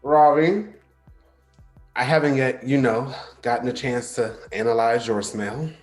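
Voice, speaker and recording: A man's voice: medium pitch, fairly even intonation, unhurried, close to an everyday voice. A man playing a flirty, sardonic but insecure gay man in a staged play reading, with a teasing, dramatic delivery. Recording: roomy sound, faint music behind.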